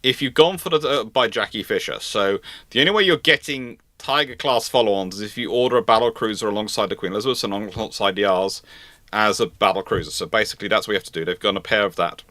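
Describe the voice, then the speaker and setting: A man answers viewer questions as a live commentary host. His voice is fairly low yet bright and forceful, recorded very dry. He halts, repeats and reworks phrases while thinking aloud. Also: quick pace, no echo. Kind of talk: live Q&A naval history commentary.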